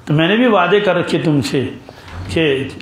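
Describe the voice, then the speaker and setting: A man teaching a Quran commentary lesson, quoting Arabic verses slowly and having listeners finish his sentences. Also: a little high, lively intonation, roomy sound. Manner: quotes Arabic verses slowly, then explains them.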